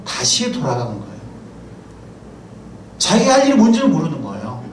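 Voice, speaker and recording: A man preaching a sermon, a pastor and professor who talks in a lively, chatty way and keeps asking the congregation questions. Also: fairly high pitch, normal speed. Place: church sanctuary. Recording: roomy, distant mic, faint ambience.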